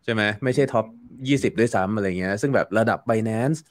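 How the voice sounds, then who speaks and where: A man talks through a topic as an interview guest, his voice sitting on the low side. He explains at length, leaning on fillers and repeating words as he thinks. The sound is dry and close. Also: fairly quick, darkish tone, no room sound. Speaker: guest commentator. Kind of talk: casual interview talk.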